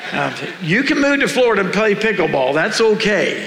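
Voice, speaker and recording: Lively intonation from a man at a moderate pace, with noticeable background noise. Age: 70s. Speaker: pastor. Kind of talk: sermon. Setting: church.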